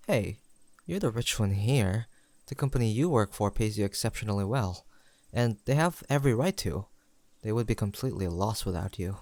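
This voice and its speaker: A young man playing a sentimental, teasing longtime best friend in an intimate audio roleplay, pausing for an unheard listener. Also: fairly low pitch, no room sound. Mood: teasing, proud. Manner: soft-hearted, playful banter with pauses for an unheard listener.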